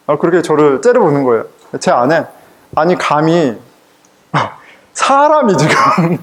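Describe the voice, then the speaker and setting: A male pastor with a high, lively voice that swings up and down as he preaches. He tells his stories in a chatty, joking way, laughs along with them, and keeps turning to the congregation with questions. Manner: conversational, humorous, laughs while telling stories. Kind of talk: sermon with personal anecdotes.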